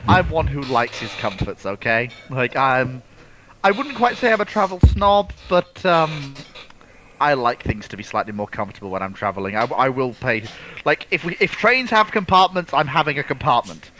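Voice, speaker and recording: A man's voice: medium pitch, very animated, moderate pace, bright, forceful tone, poor audio. A man chatting casually as a guest on a livestream. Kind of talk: casual chat. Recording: clear background noise with clicks.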